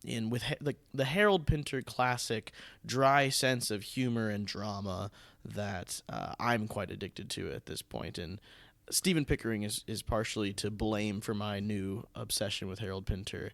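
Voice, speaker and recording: A man's voice: fairly low pitch, fairly even intonation, normal speed, creaky, fairly bright tone, no room sound. An American man chatting casually as a podcast host, rambling a little and restarting his sentences as he goes. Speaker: podcast host and theatre producer.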